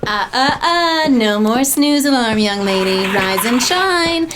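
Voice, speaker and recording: Brisk, high-voiced mom. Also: female voice, expressive, heavy background noise. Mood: brisk, teasing. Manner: brisk, coaxing, motherly. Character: brisk, affectionate working mother of a teenage girl. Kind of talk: audio drama acting.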